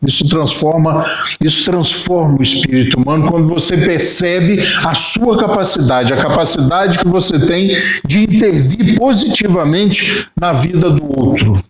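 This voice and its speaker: Brazilian male spiritist lecturer, high voice, storyteller, echoey room. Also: lively intonation, normal speed. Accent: Brazilian Portuguese. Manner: storytelling with acted-out dialogue.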